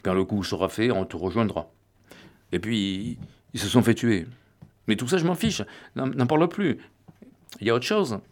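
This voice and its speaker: A man reading an audiobook, voicing an excitable, greedy petty crook who pushes with prying questions. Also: on the low side, moderate pace, pauses often, lightly acted. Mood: tearful confiding.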